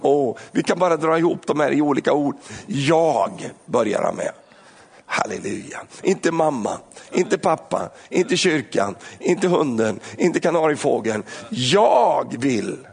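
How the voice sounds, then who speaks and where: A man preaching an animated sermon, acting out little scenes and asides. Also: fairly high pitch, vocal fry, slightly rough. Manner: animated, acts out voices and asides. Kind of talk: lively sermon.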